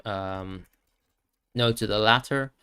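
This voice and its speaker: Low-voiced fast-answering male stream host. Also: pushed and bright, smooth. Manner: quick-talking, reads out viewer questions and answers them on the spot. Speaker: fantasy football stream host. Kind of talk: live Q&A stream answering chat.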